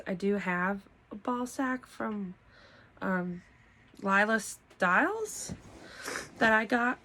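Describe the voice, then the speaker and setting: A woman's voice: fairly low pitch, fairly bright tone. A congested, slightly nasal woman, chatting casually to camera from her home craft room, laughing often and filling with ums. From United States. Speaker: podcast host.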